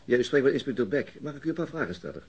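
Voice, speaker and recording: An actor playing a brooding, weary middle-aged police inspector in a radio play, with terse, probing, self-questioning delivery and a husky voice. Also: male voice, mid-range voice, big pitch swings, very fast, highs cut off, natural voice. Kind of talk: radio play acting, inner monologue and questioning.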